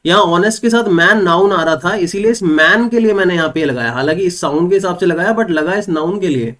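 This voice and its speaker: A young man teaches an online exam-prep English grammar lesson, working through examples step by step and asking and answering his own questions. He reads the English example sentences slowly and clearly, in a slightly bright voice pitched a little above the usual male range.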